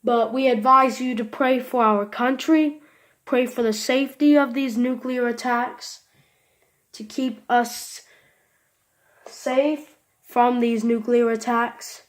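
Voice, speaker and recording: A woman playing a solemn, prayerful American president addressing a nation under attack, halting and repetitive. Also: a little high, fairly even intonation. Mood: grave, pleading.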